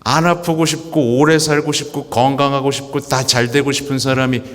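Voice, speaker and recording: A Catholic priest giving a conversational homily, asking the congregation questions and acting out believers' thoughts. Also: male voice, mid-range voice, steady tone, brisk, a bit bright. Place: parish church. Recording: church hall reverb.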